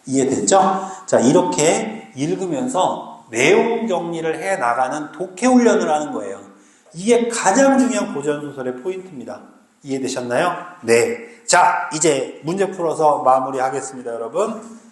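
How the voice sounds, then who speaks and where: A man teaching a Korean literature class live, lively and slangy, often checking whether students understand. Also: a little high, moderate pace, reverberant, low-quality recording. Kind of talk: classroom lecture.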